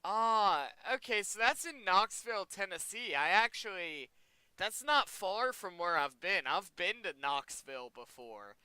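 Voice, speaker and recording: A man's voice: sits high, lively intonation, measured pace, pushed and bright, clean tone, dry recording, rough recording. A young man hosting a video, reacting to pictures in rambling, chatty casual commentary, often repeating himself. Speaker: video host.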